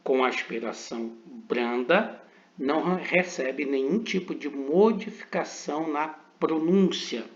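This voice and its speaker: A man teaching a recorded lesson, slowly spelling out each letter and sound. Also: fairly high pitch, gravelly. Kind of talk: recorded lecture on slides. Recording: dull lo-fi recording.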